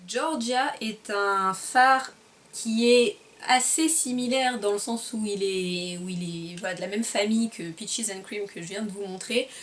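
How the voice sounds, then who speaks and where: A woman giving a casual makeup review at home, chatty and often pausing to search for words and correct herself. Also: medium pitch, distant mic, slight background noise. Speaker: beauty vlogger.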